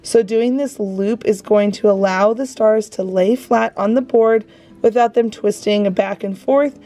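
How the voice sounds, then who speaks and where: A woman's voice: medium pitch, a little slow, mellow. A woman who has lost her voice, hosting a do-it-yourself craft channel and talking viewers through each step in a friendly way. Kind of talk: DIY craft tutorial voice-over.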